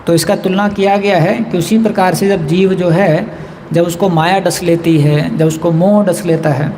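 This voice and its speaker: A man with a high, light voice gives a scripture class in a temple, explaining verses steadily and chanting lines now and then. His voice rings with the long reverb of a large hall, over a faint room hum. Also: a little mellow. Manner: explains verses, chants Sanskrit, reads English quotes. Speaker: temple speaker.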